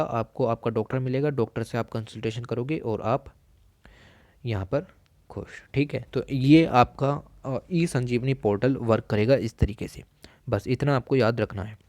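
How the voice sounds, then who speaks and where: A man's voice: mid-range voice, steady tone, a little mellow, dry recording. Man teaching exam prep, dry sound. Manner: explains in Hindi, switches to slow, deliberate English for quoted lines; frequent "theek hai" and "alright" check-ins with the listener. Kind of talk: recorded lesson reading through a magazine.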